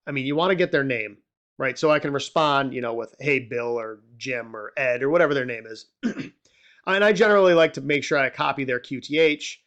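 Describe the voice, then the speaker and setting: A man's voice: mid-range voice, fairly bright tone. A man talking as an instructor in a casual, unscripted tutorial, reassuring and conversational, often checking in with the listener. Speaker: amateur radio instructor and video host.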